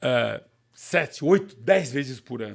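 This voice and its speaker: A fairly high-pitched male voice with vocal fry and lively intonation. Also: very clean recording, silent background. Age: 60s. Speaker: automotive businessman. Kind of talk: podcast interview.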